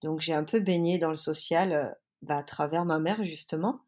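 Earnest woman guest, low voice. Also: moderate pace. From France. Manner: warm, earnest, many hesitations. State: has a cold. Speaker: interview guest, activist. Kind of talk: casual interview.

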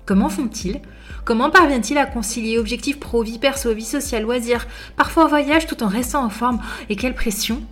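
A woman hosts a podcast interview with an upbeat, chatty manner. Her voice sits a little high for a woman, and she fills pauses with frequent hesitation sounds. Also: fairly bright tone, faint music behind. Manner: upbeat, many "euh" fillers. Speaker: podcast host.

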